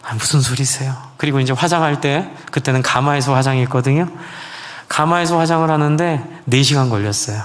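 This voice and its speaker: A man's voice: fairly quick, big-room sound. Earnest, emotional male pastor preaching. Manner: emotional, earnest storytelling, pitch jumps high when exclaiming. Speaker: senior pastor. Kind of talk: sermon with personal testimony. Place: church sanctuary.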